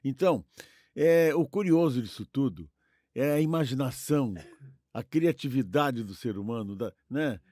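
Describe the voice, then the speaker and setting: A man's voice: mid-range voice, darkish tone, no room sound, clean studio sound. A Brazilian man co-hosting a podcast, casually discussing radio history in a discursive, repetitive way, often seeking agreement. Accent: Brazilian Portuguese. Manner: discursive, repeats himself, seeks agreement with tag questions. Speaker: podcast co-host.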